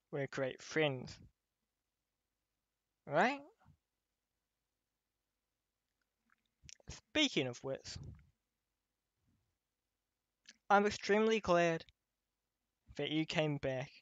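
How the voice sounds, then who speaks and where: A gentle childhood teddy bear, acted by a man, talks very slowly and tenderly in an ASMR roleplay. The delivery is wistful and loving, with frequent pauses. The recording is dry and a little dull. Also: on the high side, no echo, full character voice. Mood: warm. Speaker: voice actor. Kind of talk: ASMR roleplay addressed to listener.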